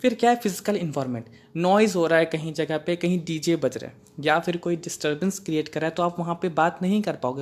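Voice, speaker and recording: A man tutoring through a course lesson in a casual, conversational way, using everyday examples and often asking "right?" to check that listeners follow. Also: a little high.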